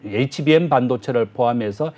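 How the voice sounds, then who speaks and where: A man, a business professor, giving measured economic commentary as a guest, with frequent filler pauses. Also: medium pitch, a little mellow.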